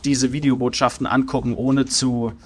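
A man's voice: medium pitch, little pitch movement, normal speed, darkish tone. Man, podcast co-host, rambling casual storyteller, filler-heavy. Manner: rambling, many fillers, laughs easily. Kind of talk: casual chat.

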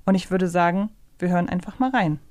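A woman's voice: lowish voice, brisk, noisy background. A woman, talking conversationally as a podcast co-host reviewing audio dramas.

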